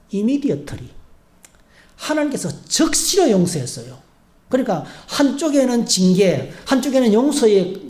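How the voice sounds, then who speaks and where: Mellow-voiced pastor preaching in a roomy church. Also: male voice, high-pitched. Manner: preaching with acted prayers and call-and-response. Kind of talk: sermon. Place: church sanctuary. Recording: echoey church hall.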